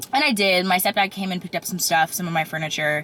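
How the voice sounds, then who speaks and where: Against noticeable background noise, a woman speaks at a very fast pace with ordinary pitch variation. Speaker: lifestyle vlogger. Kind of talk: casual vlog.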